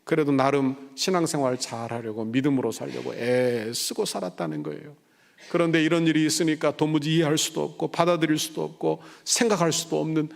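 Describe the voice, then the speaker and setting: A man's voice: a little high, creaky. A middle-aged man, a senior pastor, preaching a sermon and telling stories, acting out the people he quotes and building to emphatic passages. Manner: storytelling, acting out quoted voices.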